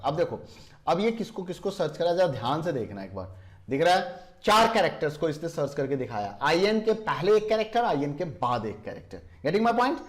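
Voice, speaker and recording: Man teaching software step by step. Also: fairly high pitch. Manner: explains step by step, asks viewers rhetorical checks; slows down to spell out definitions. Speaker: computer tutorial teacher. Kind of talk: screen-recorded software lesson.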